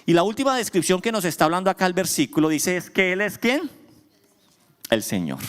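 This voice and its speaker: A man's voice: high voice, big pitch swings, fairly quick, clean tone. A man pastor preaching a sermon, asking his congregation questions and answering them himself with emphasis. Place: church hall. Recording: long church hall reverb.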